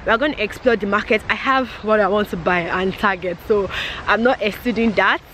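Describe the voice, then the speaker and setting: A young woman with a Nigerian accent chatting casually to camera as she walks outside, filming at arm's length in an animated manner. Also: medium pitch, brisk. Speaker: vlogger. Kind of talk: casual vlog chat to camera. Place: outdoors on a grassy path by railway. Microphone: handheld camera at arm's length. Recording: outdoor noise, passing traffic ambience.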